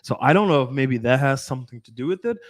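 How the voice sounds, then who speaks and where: A man's voice: medium pitch, animated, fast talker, no echo. A man in his thirties with a mid-range voice rambles through a casual podcast chat as a dating coach. He swears freely and keeps restarting his sentences. The sound is dry and close. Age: 30s. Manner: rambling, profane, restarts often.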